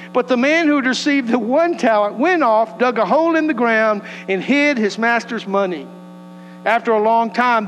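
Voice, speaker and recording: A man's voice: very high-pitched, a bit bright, big-room sound, slight background noise, poor audio. A man with a West Texas accent, preaching and praying as a pastor in a folksy, earnest way. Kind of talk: sermon with prayer and scripture reading. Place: church sanctuary.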